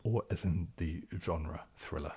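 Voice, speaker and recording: Nz guy answering chat questions on a stream, soft and kinda breathy, whispers a lot. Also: rumbling low, measured pace. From New Zealand. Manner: soft-spoken, drifting into whispers, frequent restarts. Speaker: ASMR livestream host. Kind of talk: casual livestream Q&A, soft-spoken.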